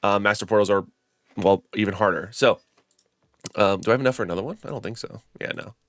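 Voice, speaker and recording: A gaming video creator with a lower voice, made stuffy and nasal by a head cold, talks fast through a casual game guide, chatty and rambling with lots of ums, fillers and self-corrections. His tone is fairly bright, and the close mic gives a dry, dead sound with no echo.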